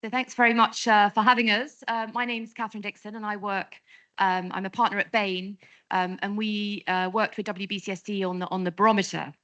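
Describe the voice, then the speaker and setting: A woman moderating a conference panel, brisk and friendly, with frequent ums. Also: medium pitch, flat delivery, pushed and bright, highs cut off. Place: conference stage.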